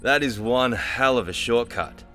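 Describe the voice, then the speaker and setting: A man's voice: mid-range voice, unhurried, bright, forceful tone. A man acting an irreverent, wisecracking spaceship pilot in a sci-fi audio drama, jokey and breezy. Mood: casual. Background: music.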